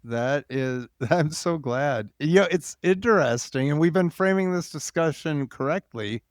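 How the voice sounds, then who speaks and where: Animated American man hosting, higher-pitched voice. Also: a little slow, no room sound, studio quality. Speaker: podcast host, interviewer. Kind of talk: casual chat, interview.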